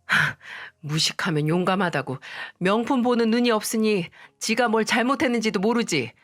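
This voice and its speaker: A woman voicing an arrogant, spoiled young woman who talks down to her sister-in-law in a shrill, contemptuous tone. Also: normal speed, a bit bright, faint music behind, close to an everyday voice.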